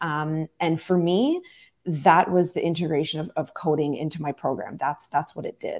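In a very clean recording with a silent background, a woman with a Canadian accent uses a plain, everyday voice, fairly low in pitch, at a moderate pace with fairly even intonation. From Ontario, Canada. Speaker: primary school teacher. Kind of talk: interview. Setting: live video stream.

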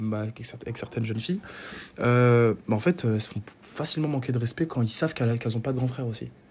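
A man speaks at a fairly quick pace in a medium pitch, somewhat breathy, with ordinary pitch variation. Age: 20s. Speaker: school supervision assistant. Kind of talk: casual chat. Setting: school staff room.

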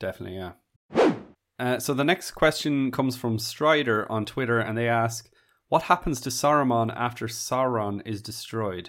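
Speaking at a moderate pace, a man uses an unremarkable speaking voice at medium pitch with ordinary pitch variation. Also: very clean recording, silent background. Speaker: podcast host. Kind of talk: casual chat.

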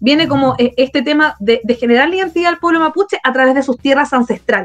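A high-pitched woman speaks with a Chilean accent and ordinary pitch variation. Music plays in the background. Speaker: radio host. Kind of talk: casual chat.

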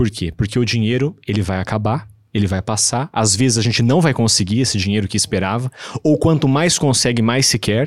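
On a very clean recording with a silent background, a man with a normal speaking voice talks at a medium pitch and a fairly quick pace, with ordinary pitch variation and very even loudness. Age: 20s. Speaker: seminarian. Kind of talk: casual discussion.

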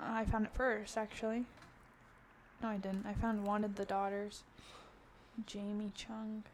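A woman's fairly high, somewhat breathy voice in a monotone, flat delivery, fairly slow, with long, frequent pauses. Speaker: podcast co-host. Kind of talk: casual chat.

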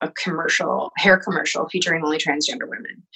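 A woman has an ordinary speaking voice in a Canadian accent. Her pitch is fairly low and her intonation fairly even. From Canada. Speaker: hairstylist and advocacy group founder. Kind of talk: interview.

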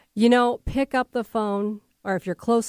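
On a very clean recording with a silent background and a dry, close sound with no echo, a woman talks at a moderate pace in a plain, everyday voice with fairly even intonation. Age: 40s. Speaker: host's sister. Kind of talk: casual chat. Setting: studio.

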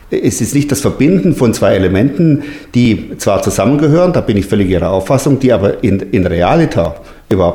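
A man's voice with very wide pitch swings at a moderate pace, over noticeable background noise. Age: 60s. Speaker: podcast host and business executive. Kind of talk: interview. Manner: halting, with fillers.

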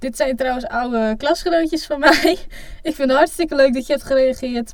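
A woman speaks at a high pitch. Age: 20s. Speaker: podcast host. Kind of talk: solo Q&A podcast. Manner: casual.

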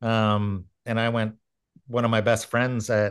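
A man with a Canadian accent, medium in pitch, with fairly even intonation and a quiet background. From Aurora, Ontario, Canada. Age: 40s. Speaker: rock bassist. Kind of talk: casual interview. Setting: video call.

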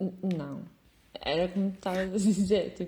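A woman speaks in a dark, mellow tone. Her delivery is somewhat breathy and monotone, with flat intonation. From Portugal, Braga. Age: 20s. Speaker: fashion designer working in textiles. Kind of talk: casual chat.

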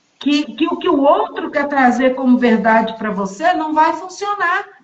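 A woman with a high pitch speaks at a fairly slow pace, her voice making very wide pitch swings. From Minas Gerais, Brazil (Belo Horizonte area). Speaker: author and therapist. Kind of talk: interview on a live stream.

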